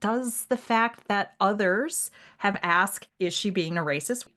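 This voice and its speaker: A woman co-hosting a literary podcast, talking reflectively and articulately in measured, thoughtful phrases. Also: mid-range voice, fairly bright tone. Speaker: podcast co-host.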